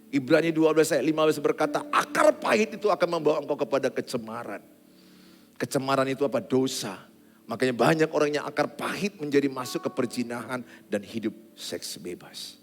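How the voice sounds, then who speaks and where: A pastor preaching with passion, dropping to hushed tones and rising to loud appeals, with English phrases mixed into his sermon. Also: fairly quick. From Indonesia. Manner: impassioned, swinging from hushed and low to loud and high. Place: large church hall. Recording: long church-hall reverb with soft instrumental music behind. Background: soft instrumental music.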